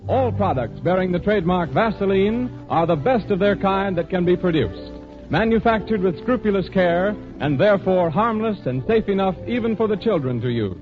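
A man's voice: high-pitched, expressive, moderate pace. A man announcing a 1930s radio show in a formal, polished delivery, heard as an old radio broadcast. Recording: muffled 1930s radio recording with music.

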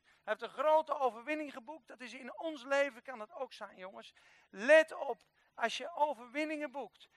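A man preaching a sermon, telling a Bible story in a lively way and acting out the characters, with sudden jumps from quiet to loud. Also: very high voice, no echo.

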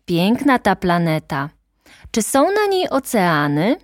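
A woman voicing a gentle, curious little boy prince in a storybook reading, asking earnest questions. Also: mid-range voice, expressive, takes it slowly, no room sound, clean studio sound, voice pushed up.

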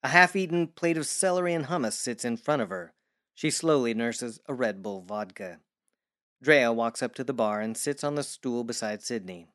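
A man's voice: mid-range voice, lively intonation, normal speed, fairly bright tone. A man reading scripted present-tense scene narration for an audio drama.

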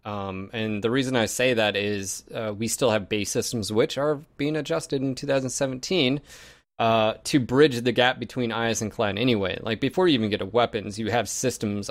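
Male streamer co-host, lowish voice, relaxed and conversational about game balance. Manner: relaxed, loose, says like a lot. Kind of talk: casual chat.

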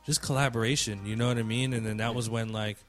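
A man's voice: mid-range voice, steady tone, fast talker. A man who works as a music producer hosting a panel in casual, slangy, conversational talk with some swearing. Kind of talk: casual chat.

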